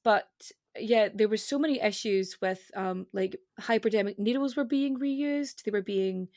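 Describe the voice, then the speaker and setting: A woman's voice: mid-range voice, a little mellow, no echo. Chatty woman guest, very dry sound. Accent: non-standard regional accent. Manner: rapid, self-interrupting, with frequent fillers. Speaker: podcast guest. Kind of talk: casual podcast chat.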